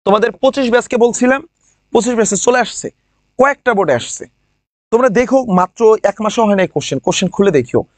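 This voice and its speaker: A young adult Bangladeshi teacher holds a live grammar class online, repeating questions and answers, pulling example words out slowly, and calling students by name. His high voice is expressive, and there is no room sound.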